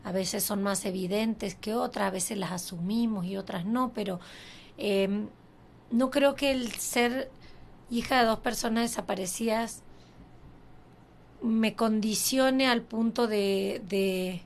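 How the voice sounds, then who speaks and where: Middle-aged woman, gravelly, reflective interview guest, faint hiss behind. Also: mid-range voice. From Argentina. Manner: thoughtful, measured, frank. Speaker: journalist guest. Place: university auditorium.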